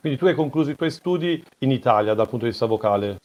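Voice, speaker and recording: A man's voice: mid-range voice, animated, fast, a little mellow. A man moderating an unscripted interview, feeling his way through long questions with restarts and rephrasing. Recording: slightly dull lo-fi audio.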